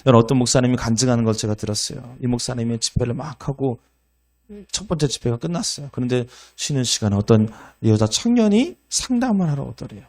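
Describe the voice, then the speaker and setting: A male pastor preaching a sermon, emphatic, asking rhetorical questions and swinging between loud and soft. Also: medium pitch, animated, fast.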